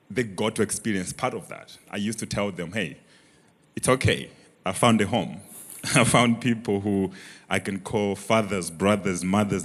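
A young man from Malawi with a Malawian accent, sharing his story earnestly in an onstage church interview. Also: fairly low pitch. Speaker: church member guest. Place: large church auditorium, on stage. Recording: reverberant church hall.

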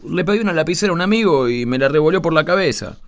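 A man's voice: fairly high pitch, expressive, very fast, lightly acted. A man with an Argentine accent acting a defensive, hesitant teenage school pupil in a radio drama. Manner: hesitant, self-justifying. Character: defensive male secondary school pupil, naive and apologetic.

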